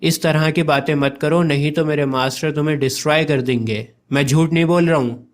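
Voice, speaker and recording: A man's voice: on the high side, steady tone, fairly quick, close to an everyday voice. A man voicing a bitter, vengeful male island monster in a plain, conversational storytelling voice.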